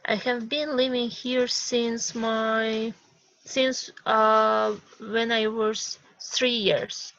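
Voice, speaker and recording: A woman from Kyrgyzstan, an English student, reading a practice dialogue haltingly over a video call. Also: a little high, flat delivery, a bit bright, dry recording. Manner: halting, hesitant learner. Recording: dull dry video call audio.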